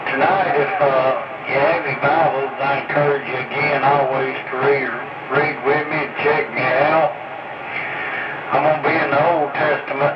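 A man talks at a fairly slow pace over loud background noise. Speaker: preacher. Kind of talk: radio sermon.

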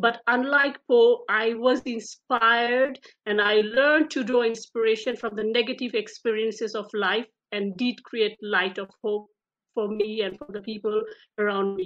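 Her pitch fairly high, a woman speaks with fairly even intonation. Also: moderate pace, quiet background. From Bangladesh. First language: Bengali. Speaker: poet. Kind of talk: reading group discussion. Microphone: video call.

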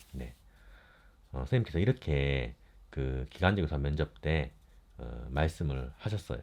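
Here a man with a very deep, low pitch speaks at a fairly slow pace, with vocal fry and ordinary pitch variation. His loudness swings widely, and he leaves long, frequent pauses. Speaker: education lecturer. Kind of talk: casual monologue to camera. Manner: hesitant, many fillers.

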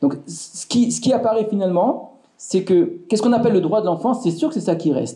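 A man talks at a fairly quick pace in a high pitch with very wide pitch swings. The room echo is audible against a quiet background. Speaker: rabbi. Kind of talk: lecture. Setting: stage with audience. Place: cafe.

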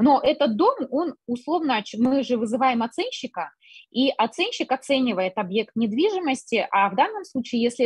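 A woman with a high pitch and lively intonation speaks at a moderate pace, the sound dry with no echo and the background quiet. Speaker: bank mortgage department head. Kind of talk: professional masterclass presentation. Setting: online live stream. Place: office. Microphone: webcam.

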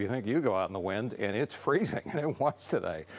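A man speaks at a very fast pace. His medium-pitched voice has lively intonation. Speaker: TV weather forecaster. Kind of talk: weather forecast. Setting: TV studio. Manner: brisk, number-dense forecaster delivery. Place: studio.

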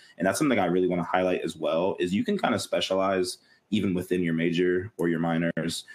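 Speaking at a very fast pace, this man has a very deep, low voice and an American accent. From US South. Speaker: college student. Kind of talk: panel discussion. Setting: video call.

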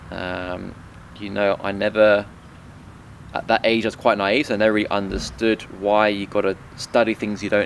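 A man with a southern English accent over light background noise. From southern England (Kent), then southern Spain from age nine; southern England. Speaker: yacht captain and vlogger; yacht captain vlogger. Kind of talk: casual vlog storytelling. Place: garden.

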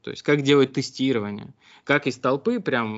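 A plain, everyday voice from a man at medium pitch, with ordinary pitch variation and a moderate pace over a quiet background. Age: 30s. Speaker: hypnotherapist; interviewee. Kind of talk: interview. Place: home room. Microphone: video call.

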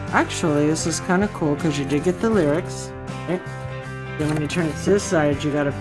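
A woman's very deep, low voice over clear background music. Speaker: collector vlogger. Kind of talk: casual unboxing chat. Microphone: webcam.

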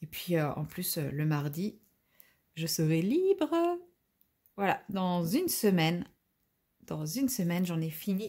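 Against a quiet background, a woman speaks very slowly in a dark, mellow, somewhat breathy tone with lively intonation and long, frequent pauses. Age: 40s. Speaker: vlogger and crafter; vlogger. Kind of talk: casual vlog monologue; casual vlog chat. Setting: at home. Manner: hesitant, many fillers. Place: home room.

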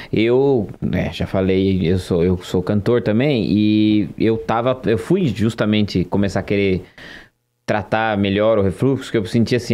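Here a man speaks in a fairly low voice. His pitch shows ordinary variation. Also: very even loudness. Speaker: podcast host and singer. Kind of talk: casual chat.

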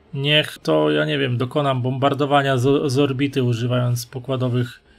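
A man talks at a fairly slow pace. Faint music is heard in the background. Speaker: streamer discussing a tabletop role-playing game. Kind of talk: casual stream commentary.

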